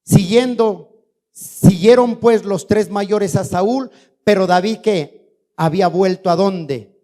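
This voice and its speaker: Man, pastor, church sermon, unhurried delivery, rhetorical questions. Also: high voice, mellow. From Colombia. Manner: fiery preaching with rhetorical questions to the congregation.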